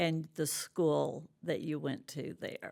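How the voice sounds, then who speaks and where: On a very clean recording with a silent background, a woman speaks at a very slow pace. Her pitch swings very widely. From Tennessee. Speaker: interviewer. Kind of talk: oral history interview. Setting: studio.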